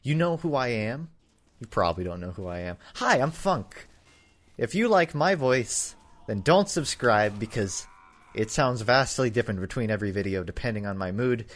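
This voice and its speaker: A young gaming YouTuber gives casual, rambling commentary over his game footage, packed with sarcastic, self-mocking jokes. His voice is medium-pitched and fairly bright, with lively intonation and normal speed.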